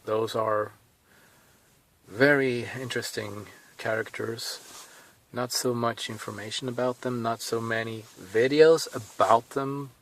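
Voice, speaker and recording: A man in his thirties with a Swedish accent, talking casually to camera from inside a car, thinking aloud with pauses and restarts. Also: mid-range voice, fairly even intonation, a little hiss or hum, low-quality recording. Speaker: vlogger.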